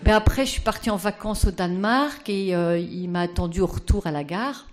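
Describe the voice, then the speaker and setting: A woman's voice: mid-range voice, a little fast, a little hiss or hum, close to an everyday voice. A woman doing an impression of a droll, cheerful elderly Danish woman with a strong Danish accent in French. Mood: teasing, droll. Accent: Danish, put on in French.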